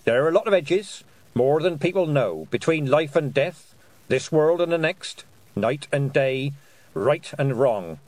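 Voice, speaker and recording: A man's voice: on the high side, animated, unhurried, darkish tone, dry recording, voice pushed up, rough recording. A man voicing a stern, proud old woman witch who speaks in clipped, commanding statements.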